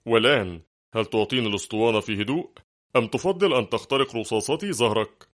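A man reading a ruthless foreign spy in an audiobook, giving him a harsh, gruff voice and a stern, sarcastic menace. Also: mid-range voice, quick pace, a bit bright, close to an everyday voice. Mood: menacing.

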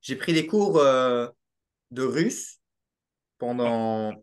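A young man from Belgium with a Belgian French accent appears as a podcast guest on a video call from a small home room, speaking casually and hesitantly with many fillers and restarts. His medium-pitched voice is expressive, with drawn-out words and a clean tone, recorded on a laptop webcam mic.

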